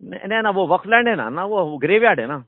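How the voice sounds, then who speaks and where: A man's voice: high voice, animated, fast talker, dry recording. A man with a Hyderabadi accent making a deferential request in an informal recorded phone call. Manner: deferential, repeating short acknowledgments. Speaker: community caller petitioning a minister. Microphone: phone line.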